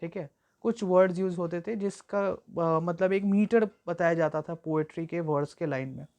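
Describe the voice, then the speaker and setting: A young woman tutor giving an exam-prep lecture, explaining at length with frequent fillers and slowing down to read example sentences aloud. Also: on the low side, dark tone. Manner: reads English examples slowly and deliberately. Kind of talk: exam-prep lecture mixing Hindi and English.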